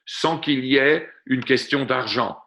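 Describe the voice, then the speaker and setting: A man's voice: mid-range voice, a little slow, creaky, bright, forceful tone. A man giving a lesson on a video call, patiently explaining grammar and slipping in short English glosses. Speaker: French tutor. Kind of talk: online tutoring session. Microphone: computer mic on a video call.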